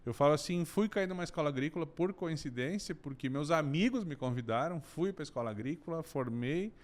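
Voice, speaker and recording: A middle-aged man from southern Brazil with a gaúcho accent, a podcast guest telling his story in a relaxed, joking way. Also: a little high, fairly quick. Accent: Gaúcho Brazilian Portuguese. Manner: warm storytelling, jokey asides. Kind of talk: casual podcast conversation.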